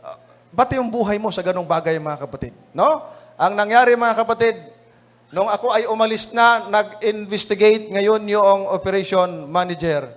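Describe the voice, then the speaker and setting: High-pitched laughing Filipino evangelist. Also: male voice, normal speed. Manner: chatty, laughing, often says "mga kapatid". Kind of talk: Filipino sermon lesson review with anecdotes.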